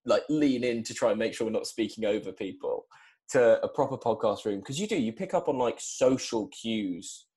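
Easygoing young man, low voice. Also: animated, normal speed, a little mellow. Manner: easygoing, hesitant with fillers. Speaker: podcast co-host. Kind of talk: casual chat over video call. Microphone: video call.

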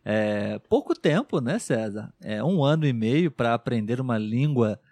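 A man hosting a language-learning podcast, speaking in a clear, measured, encouraging way and often checking in with his guest. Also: mid-range voice, expressive, a little mellow, no echo. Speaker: podcast host.

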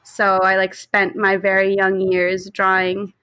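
A woman's voice: mid-range voice, completely flat delivery, a little slow, sharp tone, smooth, poor audio. A woman in her thirties from Long Island with an American accent and Spanish as her first language, telling stories casually as an interview guest. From Long Island, New York, United States. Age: 30s. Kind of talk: casual conversational storytelling.

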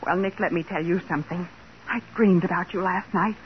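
An actress playing a detective's anxious, devoted young secretary, with an American accent and an emotive, fretful manner in 1940s radio drama style. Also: female voice, fairly low pitch, fairly even intonation, brisk, lightly acted. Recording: dull, noisy 1940s radio recording.

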